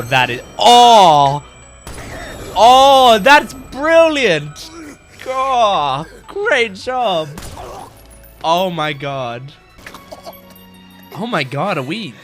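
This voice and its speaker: Sick-sounding man with a gravelly, raspy voice. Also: sits high. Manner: rambling, many fillers, excited exclamations while watching. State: sick with a lost, gravelly voice, coughing. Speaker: anime reaction YouTuber. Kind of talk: casual chat to camera, reacting to an episode.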